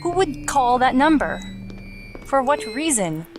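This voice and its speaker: Woman host of a let's play, chatty, joking, clear background noise. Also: high voice, very animated, a little slow. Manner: chatty, self-mocking and joking. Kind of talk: casual gameplay commentary.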